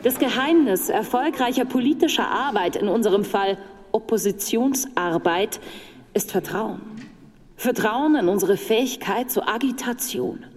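Sarcastic woman giving a rousing speech, highish voice, big echoey hall, radio play. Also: animated, a little slow, darkish tone. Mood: sarcastic, commanding. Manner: oratorical, emphatic, sarcastic. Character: provocative, sarcastic female political orator in her thirties. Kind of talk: mock political speech in radio drama. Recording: echoing large hall with crowd.

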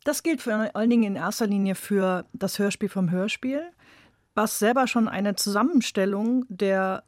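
A woman's voice: medium pitch, no echo, studio quality. A woman speaking as an expert guest, explaining things emphatically in a spontaneous discussion. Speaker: expert guest in a radio interview.

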